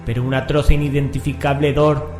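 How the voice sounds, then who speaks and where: A man's voice: medium pitch, flat delivery, fast talker. A man narrating a scripted horror story in a solemn, dramatic manner. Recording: echoing, music underneath.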